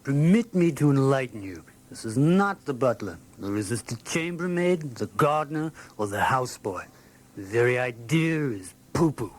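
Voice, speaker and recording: A man playing a haughty, old-fashioned gentleman with pompous, formal, precise diction in a comic monologue. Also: medium pitch, expressive, normal speed, lightly acted. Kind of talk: acted comedy monologue.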